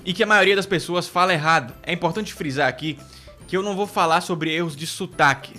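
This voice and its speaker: Bright-voiced man teaching pronunciation. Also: high-pitched, faint music behind. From United Kingdom. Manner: explanatory, repeats words slowly to model pronunciation. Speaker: English teacher. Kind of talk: online English lesson.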